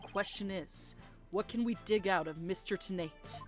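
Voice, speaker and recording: A woman's voice: mid-range voice, moderate pace, faint music behind, lightly acted. A woman voicing a skeptical, dry-witted male defense lawyer in a courtroom game, questioning and wry. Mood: probing.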